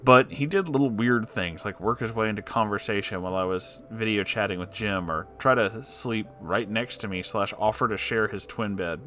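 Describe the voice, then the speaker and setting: A man narrating an online story aloud in a dramatic, expressive way, with candid and sweary interjections. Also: fairly low pitch, normal speed, few pauses, faint music behind.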